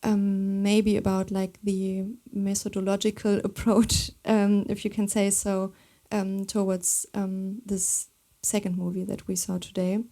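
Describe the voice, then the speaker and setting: Flat, warm-voiced woman moderator. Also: medium pitch. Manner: halting, hesitant phrasing. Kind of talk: live panel conversation.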